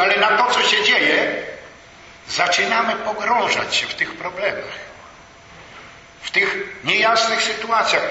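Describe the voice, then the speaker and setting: A man preaching a sermon to a congregation, slow and emphatic, rising and falling for stress. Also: sits high, bright, forceful tone, dull audio. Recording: echoey hall, voice from far off.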